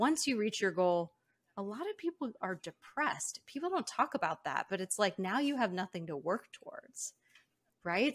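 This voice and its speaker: A woman with an ordinary speaking voice talks at a moderate pace with lively intonation. The recording is very clean, with a silent background. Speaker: real estate investor and author. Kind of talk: casual interview chat.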